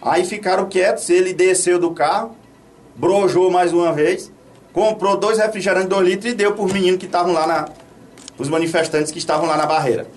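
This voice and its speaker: A man's voice: sits high, steady tone, a little fast. A man, hosting local radio in an outspoken, colloquial, repetitive way. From Brazil. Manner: colloquial, outspoken, repeats himself. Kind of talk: informal radio commentary and shout-outs. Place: small radio studio. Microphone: studio boom microphone off to one side, headphones. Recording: slightly distant from the microphone.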